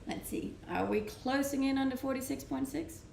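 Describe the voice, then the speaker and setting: A woman's voice: high-pitched, normal speed, creaky, darkish tone, slight background noise. A woman with a Danish accent, chatting easily on a livestream from her rented home, reading out and answering viewer comments and laughing often. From Denmark. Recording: roomy echo.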